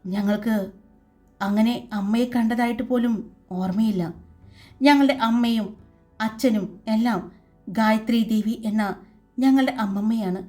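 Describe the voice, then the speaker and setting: A woman voicing a grieving young woman in a storybook tale, speaking low with a trembling voice. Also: unhurried, pauses often, mellow, soft background music, lightly acted. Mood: bitter grief. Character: grieving young woman recalling her absent mother.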